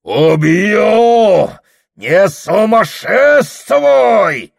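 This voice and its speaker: A man's voice: lowish voice, lively intonation, fairly bright tone. A man doing a raging drunk deacon who bellows. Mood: bellowing. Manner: bellowing, drawn-out threats. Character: drunken brawling male deacon, huge and furious.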